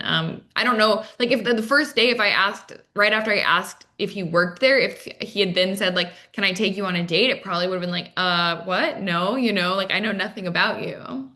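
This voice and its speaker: A woman's voice: medium pitch, bright, forceful tone. A woman speaking as a coach and interview guest, explaining casually and acting out little quoted exchanges. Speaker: dating coach, podcast guest. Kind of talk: conversational advice and anecdotes.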